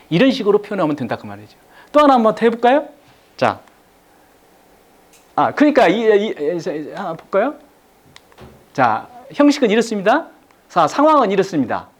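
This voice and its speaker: Lively, high-pitched male lecturer. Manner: lively, repeats key phrases and has the audience echo them. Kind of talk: live lecture to an audience.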